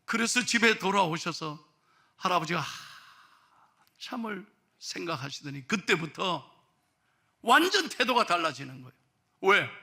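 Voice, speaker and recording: A pastor delivers an animated sermon with a storytelling flow. His high voice sounds bright and gravelly, and his pitch swings widely. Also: a little slow, pauses often.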